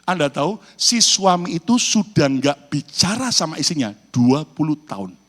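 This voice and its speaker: A man from Indonesia preaching a sermon as pastor, animated and calling out to his congregation. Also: fairly high pitch, normal speed. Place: church hall in New York. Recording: reverberant church hall.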